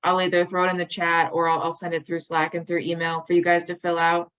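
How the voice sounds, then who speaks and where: A woman's voice: fairly low pitch, completely flat delivery, fast, a bit bright, smooth, highs cut off. A young woman hosting an online program event, speaking casually with lots of ums and likes. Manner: casual, filler-heavy, with many ums and likes. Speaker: program host.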